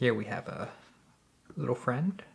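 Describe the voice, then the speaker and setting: A soft-spoken man talks with ordinary pitch variation. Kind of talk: ASMR board game play-through.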